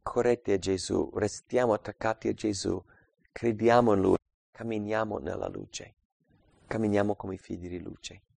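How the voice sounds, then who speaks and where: Gravelly Italian-speaking preacher, dry sound. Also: male voice, fairly even intonation, moderate pace, no room sound. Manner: reads scripture aloud and explains it, calling out verse numbers; swings between loud emphatic passages and quiet low asides. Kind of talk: Bible study sermon.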